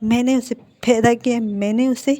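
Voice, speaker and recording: A woman's voice: a little high, steady tone, moderate pace, close to an everyday voice. A woman voicing a furious, heartbroken young man. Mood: angry. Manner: shouting, bitter and pleading.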